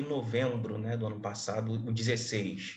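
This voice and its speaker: Background noise is noticeable, and the room's echo can be heard. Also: man. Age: 20s. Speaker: civil engineer. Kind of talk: interview, casual chat.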